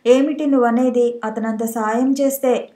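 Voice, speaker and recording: A woman's voice: fairly high pitch, steady tone, unhurried, mellow, lightly acted. A woman narrator voicing a fussing old grandmother. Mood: coaxing. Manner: coaxing, chiding. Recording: echoey room.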